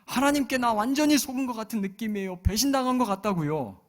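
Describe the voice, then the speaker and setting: A man's voice: sits high, lively intonation, measured pace, vocal fry, voice pushed up, full character voice. A man voicing an aggrieved old male prophet who grumbles and complains. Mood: complaining. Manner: whiny, complaining.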